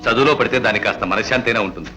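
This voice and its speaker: An actor playing a gentle, fatherly lawyer speaking to his daughter in an old film drama. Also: on the low side, rapid-fire, close to an everyday voice, low-quality recording. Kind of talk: 1950s Telugu film acting. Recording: old film soundtrack with music.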